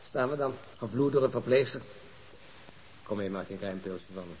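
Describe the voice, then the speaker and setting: A man's voice: mid-range voice, a little fast, darkish tone, close to an everyday voice, poor audio. A man playing a wry, weary police detective with a dry manner in a Dutch radio drama. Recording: hissy old radio drama recording.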